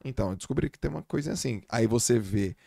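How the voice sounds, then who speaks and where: A man in his forties hosting a podcast, telling a story in an animated way with bursts of loud laughter. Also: mid-range voice, rapid-fire, vocal fry, dry recording, clean studio sound. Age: 40s. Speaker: podcast host. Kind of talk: casual chat.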